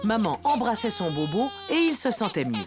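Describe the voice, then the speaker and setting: A woman narrating a children's cartoon like a storybook, with expressive, clear phrasing. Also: medium pitch, normal speed, over music.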